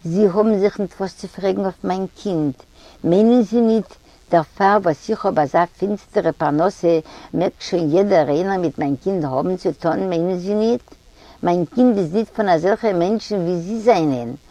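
A woman's voice: fairly low pitch, measured pace, dark tone, dry recording. A woman reading as a tearful, pleading café keeper. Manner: pleading, complaining. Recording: dull lo-fi audio.

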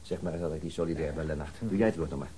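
An actor playing a weary, grumbling police detective, dry and terse, in a radio drama. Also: male voice, a bass voice, very fast, mellow.

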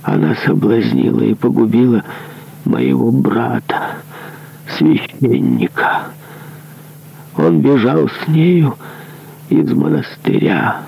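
Dying executioner, man reading it, pitched well up, desperate and pleading, in a slow creaky storybook voice. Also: very animated, dark tone, full character voice, low-quality recording. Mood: pleading confession. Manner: anguished, high-strained pleading. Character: dying male executioner, guilt-ridden and pleading.

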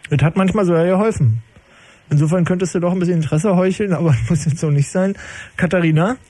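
A man's voice: high-pitched, fast, mellow, no room sound. A man hosting a late-night call-in radio show from the studio, chatting with callers in a dry, ironic, teasing way.

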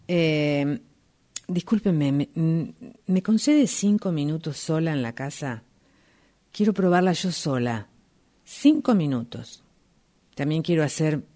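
A woman playing an eager, impulsive house-hunter in an amateur radio play, speaking in a hesitant, halting way. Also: deep voice, lively intonation, warm tone. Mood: hesitant, polite.

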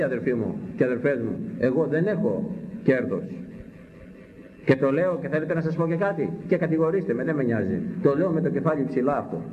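An older man preaching a sermon, impassioned, often rising to loud rhetorical cries, recorded in a church hall. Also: medium pitch, slight background noise. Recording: muffled distant recording with faint ambience.

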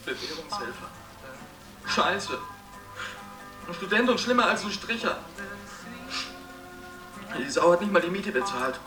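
A man's voice: high-pitched, lively intonation, a little slow, long pauses, bright, forceful tone, recorded from a distance, full character voice. A man acting a flamboyant, self-pitying, broke gay man in a radio play, agitated and plaintive. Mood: bitter, agitated. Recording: echoey room, off the mic, music behind.

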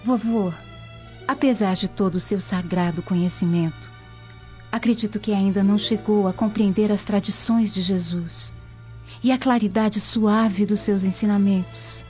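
An actress playing an earnest young Roman granddaughter with Christian faith in a radio soap opera, reverent and declamatory. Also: female voice, mid-range voice, fairly even intonation, normal speed, a little mellow, natural voice. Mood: earnest, gentle. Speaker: radio drama actor. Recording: dull lo-fi audio with faint music.

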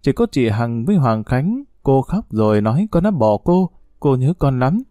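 Guy putting on a little girl voice, teary and homesick, kinda dark tone, dry sound. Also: mid-range voice, very animated, moderate pace, no echo, close to an everyday voice. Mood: tearful pleading. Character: young girl, homesick and tearful.

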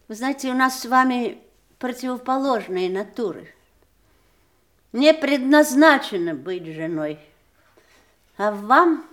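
An actress playing a proud, prickly wife in an audio drama, speaking in a pointed, emphatic stage manner. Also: female voice, fairly high pitch, a bit bright. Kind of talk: theatrical audio drama acting.

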